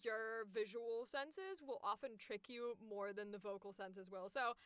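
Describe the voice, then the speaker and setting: Bright, high-pitched woman streamer. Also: measured pace, smooth, no room sound. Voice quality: naturally high-pitched, distinctive voice. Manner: playful, giggly, self-mocking, chatty. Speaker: voice actor hosting a livestream series. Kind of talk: casual improvised livestream chat.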